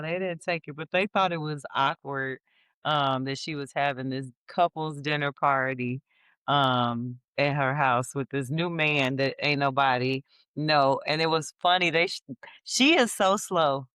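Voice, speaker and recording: A woman's voice: sits low, measured pace, fairly bright tone, smooth, dry recording. A woman co-hosting a casual chat show, retelling gossip in a chatty way and laughing often. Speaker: podcast co-host.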